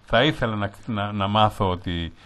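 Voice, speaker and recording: A man hosting a studio radio discussion in a Greek community abroad, affirming guests and wrapping up with thanks. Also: fairly low pitch. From Greek community in Australia. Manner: affirming, wraps up warmly with thanks. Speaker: radio show host.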